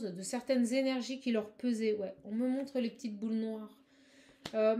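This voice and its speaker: A woman giving a spiritual card reading to viewers. She talks fast and effusively, with many exclamations, and addresses the listener directly. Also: a little high, warm tone. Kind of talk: live tarot-style channeling reading.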